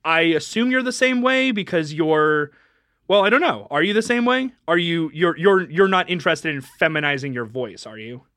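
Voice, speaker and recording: A woman's voice: low voice, lively intonation, normal speed, a bit bright, dry recording. A young adult woman co-hosting a casual podcast, rambling and self-deprecating, laughing often. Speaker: podcast co-host. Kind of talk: casual chat.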